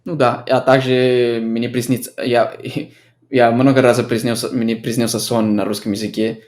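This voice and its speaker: Young american guy, english native, chats in quick bursts, keeps restarting, medium voice. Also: mid-range voice, level tone, a little mellow. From United States. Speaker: guest. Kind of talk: casual conversational chat.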